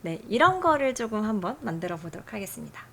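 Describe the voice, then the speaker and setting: A woman hosting a software tutorial, explaining settings in a friendly, chatty way. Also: medium pitch, big pitch swings, fast, creaky. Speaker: tutorial host.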